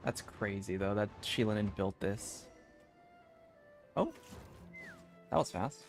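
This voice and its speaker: A man's voice: lowish voice, lively intonation, slow. Man casually streaming a game. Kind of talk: casual livestream gameplay commentary. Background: game music.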